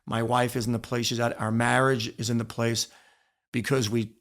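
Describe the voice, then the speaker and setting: A man's voice: mid-range voice, flat delivery, moderate pace, a bit bright. A middle-aged American man telling personal stories in an interview, speaking earnestly and emphatically, repeating phrases for weight. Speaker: podcast guest, author and former wrestler. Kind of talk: reflective personal storytelling in an interview.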